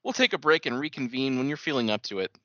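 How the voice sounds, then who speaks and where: A man's voice: mid-range voice, expressive, fast, sharp tone, no echo, highs cut off. A man reading aloud the scripted part of a compassionate, supportive podcast host.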